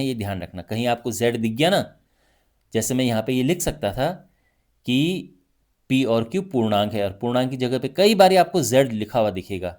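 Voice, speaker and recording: A male math teacher with a Hindi accent explains a lesson in an animated way. His voice sits at a middle pitch, but he swings up high to stress a point and drops low when he lists things. He keeps checking in and repeats himself so his students follow. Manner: lively, repetitive teaching with frequent check-ins.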